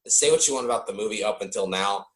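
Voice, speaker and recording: A man hosting a podcast, chatting casually about a film, animated and joking, swearing now and then. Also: fairly low pitch, echoey room. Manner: animated, swearing, quick jokey impressions. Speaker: podcast host. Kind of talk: casual film-review chat.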